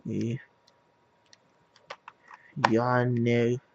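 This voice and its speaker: An American man, a native English speaker, slowly works through simple sentences, stopping and restarting as he searches for words. His delivery is very slow and hesitant. The recording sounds slightly dull and lo-fi. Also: mid-range voice, monotone, gravelly, background noise. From United States. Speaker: language learner. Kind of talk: halting self-recorded language practice.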